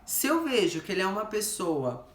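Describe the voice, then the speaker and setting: A woman with a Brazilian Portuguese accent, giving casual advice as a host in an animated, chatty way and acting out quick bits of what clients say. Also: mid-range voice, reverberant.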